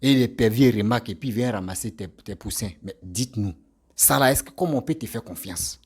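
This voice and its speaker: Husky commentator talking to viewers. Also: male voice, fairly low pitch, brisk. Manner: talks directly to his audience, using proverbs. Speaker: online commentator.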